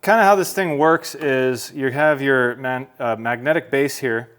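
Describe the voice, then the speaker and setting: A man's voice: mid-range voice, a little slow, a bit bright, no room sound, clean studio sound. A man vlogging in a casual, chatty way, explaining things informally as he does a hands-on demo. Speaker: vlog host.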